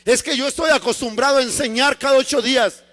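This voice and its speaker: A man's voice: very high-pitched, steady tone, fast, fairly bright tone, in a large hall, pitched above the performer's own voice. A man voicing a proud, eager man who insists on doing things his own way, in a sermon. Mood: insistent. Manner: insistent, raised and stammering. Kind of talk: acted quote in a sermon.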